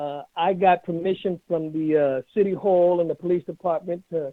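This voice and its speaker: His pitch is high for a man. The pitch variation in this man's speech is ordinary. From New York. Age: 70s. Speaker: entrepreneur and entertainer. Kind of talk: interview storytelling. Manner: hesitant with fillers.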